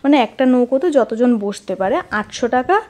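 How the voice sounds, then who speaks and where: A woman's voice: on the high side, animated, normal speed, a little mellow. A woman chats familiarly to her viewers as she narrates a casual travel vlog. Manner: chatty, addresses viewers familiarly. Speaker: travel vlogger, host. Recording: clearly noisy outdoor ambience. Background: ambient noise.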